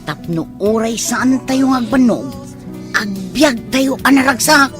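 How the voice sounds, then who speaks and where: Carefree, slow-talking coaxing young woman. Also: on the high side, expressive, over music. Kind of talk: Ilocano radio drama acting.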